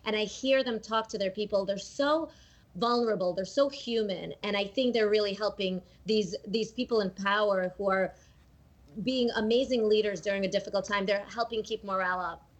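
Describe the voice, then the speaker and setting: A woman's voice: mid-range voice, moderate pace, highs cut off. A woman whose first language is Russian, speaking earnestly in an interview. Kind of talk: emotional interview speech.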